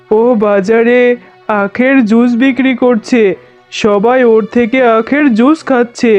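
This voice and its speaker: A man's voice: very high-pitched, a little mellow. A man voicing a resentful, scheming tiger shopkeeper and husband in a cartoon, with a grumbling, indignant manner. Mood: dejected complaining. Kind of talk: Bengali cartoon voice acting. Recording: muffled lo-fi sound, music behind. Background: music.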